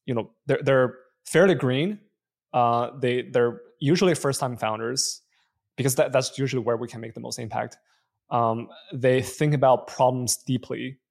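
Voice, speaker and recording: A man's voice: medium pitch, vocal fry. A man from Canada whose first language is Chinese, answering interview questions thoughtfully as a venture investor guest. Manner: thoughtful, frequent fillers and restarts.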